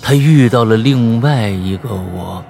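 A man narrating a spooky story, lively, breaking off for offhand asides. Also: on the low side, measured pace, vocal fry, soft background music.

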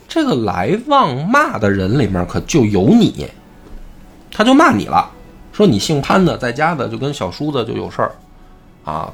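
On a casual talk show, a male host explains a classic novel and animatedly acts out the characters he quotes. His voice sits at a medium pitch and sounds husky, with vocal fry.

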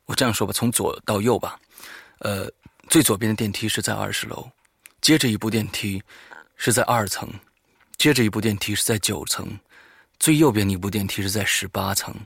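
A man talking informally and haltingly to listeners as the host of a horror story show, alone in a studio. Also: on the low side, gravelly, a bit bright, slightly rough, no echo. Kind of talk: informal spoken monologue to listeners.

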